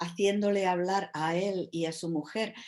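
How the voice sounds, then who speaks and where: A woman with a Czech accent, fairly low-pitched, at a very slow pace with ordinary pitch variation, over a quiet background. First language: Czech (speaking Spanish). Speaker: writer and translator. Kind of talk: interview. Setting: video call. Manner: halting, many fillers.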